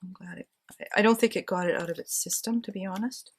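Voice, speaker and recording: Husky-voiced woman chatting while crafting. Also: mid-range voice, fast. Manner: chatty, talks to herself while working. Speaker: crafting vlogger. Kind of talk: casual crafting chat.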